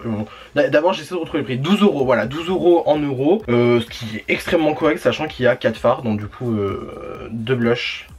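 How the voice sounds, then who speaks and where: A man's voice: medium pitch, brisk, hardly any pauses, husky. A man chatting casually through a makeup review at home, rambling with lots of fillers and slang and laughing at himself now and then. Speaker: beauty vlogger.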